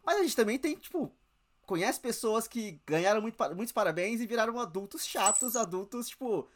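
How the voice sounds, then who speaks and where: Young São woman, podcast co-host, rapid, chatty, filler-heavy. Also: on the high side, expressive. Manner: chatty, leans on fillers like "tipo assim". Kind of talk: casual chat.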